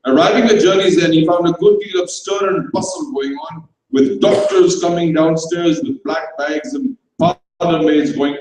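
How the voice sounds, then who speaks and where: A man's voice: a little high, a little mellow. Wry older man reading on stage. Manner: wry, theatrical, asides to the audience. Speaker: stage reader. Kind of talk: dramatized reading of a comic story. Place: stage in a large hall. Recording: echoey hall, far from mic.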